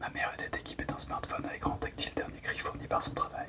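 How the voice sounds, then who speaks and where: Noticeable background noise surrounds a man whispering at a moderate pace. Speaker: ASMR book-reading channel host. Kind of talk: first-person fiction reading, sci-fi novel excerpt. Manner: whispered, soft.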